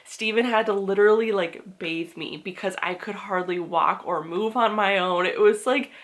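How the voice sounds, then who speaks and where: A woman's voice: medium pitch, normal speed. A young woman vlogging casually to camera, stuffy-nosed with a cough, bubbly and chatty. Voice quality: bubbly and chatty, with frequent "like" and laughs. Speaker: book and lifestyle vlogger.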